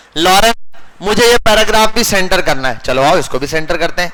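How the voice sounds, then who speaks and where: An animated male voice amid audible room echo and noticeable background noise. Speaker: computer course instructor. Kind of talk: classroom lecture. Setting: classroom with students.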